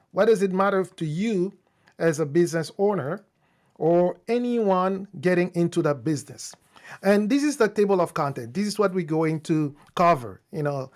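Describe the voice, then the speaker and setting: A man whose first language is French, hosting a live-streamed tech talk in English, speaking off the cuff with restarts and fillers while greeting viewers. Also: a little high. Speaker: host.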